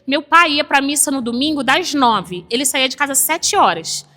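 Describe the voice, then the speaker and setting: São woman preaching, bright voice, chatty and emotional, lots of echo from the church. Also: high-pitched, moderate pace. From Brazil. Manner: emotional, conversational, frequent "né?" asides. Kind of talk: sermon with personal story. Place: church chapel.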